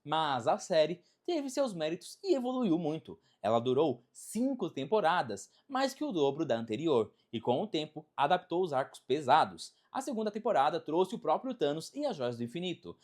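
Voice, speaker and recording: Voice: mid-range voice, big pitch swings, moderate pace, few pauses, darkish tone. A Brazilian narrator with an emphatic, dramatic delivery, reading a scripted video essay.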